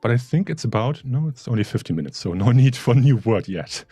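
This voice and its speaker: A man's voice: medium pitch, very animated, a little fast, dark tone, slightly rough, no room sound, soft background music. A man co-hosting a live stream, chatting casually and joking wryly while he works, often trailing off with fillers. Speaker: livestream co-host.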